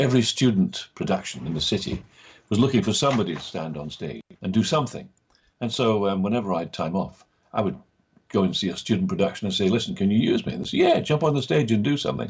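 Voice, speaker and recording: A man talks at a very fast pace with fairly low pitch and vocal fry. His pitch swings very widely. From Scotland, Edinburgh. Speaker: actor. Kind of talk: interview storytelling.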